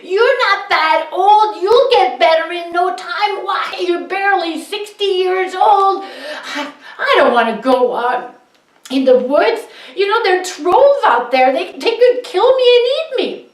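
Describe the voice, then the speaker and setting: A woman's voice: very high voice, animated, measured pace, roomy sound, far from the mic, voice pushed up. A woman voicing a frightened, whining eldest son who stammers in panic. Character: scared whining eldest son, young man.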